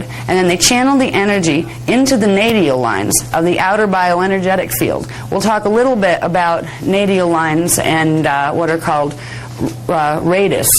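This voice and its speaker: A woman teaching a live workshop, slightly hoarse, explaining at length in a chatty way, with fillers and soft laughs. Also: fairly low pitch, rough recording. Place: workshop room. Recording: 1999 workshop video, faint music.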